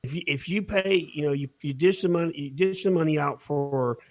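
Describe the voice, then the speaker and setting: A man's voice: on the high side, a little fast, darkish tone, no room sound. A man with an American accent chatting casually as a podcast co-host in a laid-back, slangy, mildly profane way. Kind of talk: casual chat.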